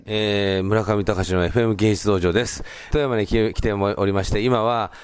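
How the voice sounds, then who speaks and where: A man's voice: on the low side, fairly even intonation, normal speed, clean tone, dry recording, studio quality. A man hosting a radio show from a lodge room, chatting casually and prodding his guest with questions. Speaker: radio host.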